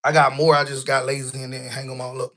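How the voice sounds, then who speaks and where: A man's voice: mid-range voice, fast. A man in his thirties talking casually while walking through his office building, asking "right?" a lot, a bit out of breath. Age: 30s. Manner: conversational, asks rhetorical "right?" often; colloquial, relaxed grammar. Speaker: business vlogger.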